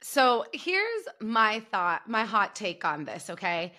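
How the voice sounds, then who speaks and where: Young female guest, bright crisp voice, gossipy and chatty, video call from home. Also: medium pitch, sing-song, slow. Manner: chatty, gossipy, laughs easily. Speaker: podcast guest. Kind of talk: casual pop culture chat. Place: home room. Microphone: video call with earbuds.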